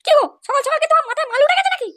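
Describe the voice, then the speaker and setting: A woman voicing a brash, quarrelsome, foul-mouthed wife in a crude comedy cartoon, shrill and combative. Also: expressive, racing, pushed and bright, exaggerated voice. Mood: indignant. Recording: faintly noisy cartoon soundtrack.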